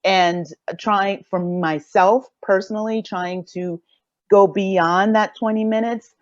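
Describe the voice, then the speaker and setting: A woman's voice: medium pitch, fairly even intonation, slow pace, dry recording. A woman talking casually as a panelist on a lo-fi call. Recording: dull, dry lo-fi call audio.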